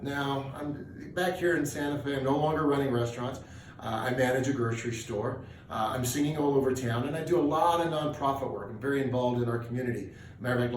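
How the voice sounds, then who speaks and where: Middle-aged man, roomy distant recording. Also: medium pitch. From southeast New Mexico, United States. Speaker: singer and charity auctioneer. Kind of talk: personal video introduction, casual monologue. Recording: roomy, distant mic with hiss.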